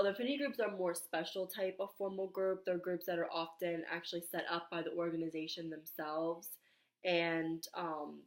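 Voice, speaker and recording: A young woman under the weather, her stuffed-up voice sitting somewhat low and a little raspy. She walks through her presentation slide by slide, reading the points aloud and filling gaps with ums and small restarts. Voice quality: slightly raspy. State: nasal congestion, under the weather. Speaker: student presenter. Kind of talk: recorded class slide presentation.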